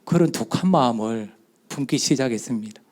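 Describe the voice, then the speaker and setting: Brief: middle-aged Gyeongsang-accented man, church elder, storytelling testimony, mid-pitched voice, acts out dialogue. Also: animated, a little fast, a little mellow. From southeastern Korea. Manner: storytelling, acting out quoted dialogue; speaks in short spoken phrases. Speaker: church elder giving a talk at a youth retreat. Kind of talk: testimony talk.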